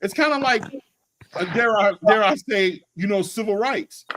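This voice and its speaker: A man's voice: sits high, moderate pace, bright, forceful tone, slight background noise, rough recording. A man hosting a boxing channel, talking casually and emphatically in slang, often repeating words for emphasis. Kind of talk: animated casual sports talk and opinion.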